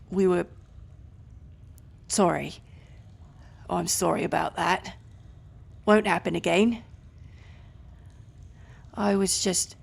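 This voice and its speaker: A woman's voice: on the low side, vocal fry, full character voice. A woman playing a gleefully sadistic prison torturer in an audio roleplay, taunting and threatening. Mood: cowed apologetic. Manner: taunting, threatening, drops into whispers.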